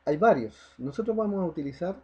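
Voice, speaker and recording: A man's voice: high-pitched, lively intonation, fairly quick, warm tone, breathy edge, highs cut off. A man teaching a primary school class, explaining step by step, stressing the example words and often checking in with the children. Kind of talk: recorded online class lesson.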